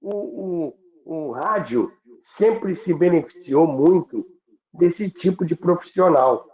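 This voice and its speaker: A man's voice: a little high, animated, slow, a little mellow. A man with a Brazilian accent telling stories conversationally as a radio history commentator, stressing points through repetition and lists. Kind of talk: conversational storytelling. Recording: thin phone-like sound, roomy echo.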